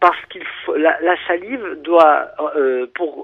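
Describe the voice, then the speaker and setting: A man speaks at a very slow pace, his pitch high. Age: 60s. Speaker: traditional Chinese medicine practitioner and author. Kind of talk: radio interview explanation. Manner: hesitant, many fillers and restarts.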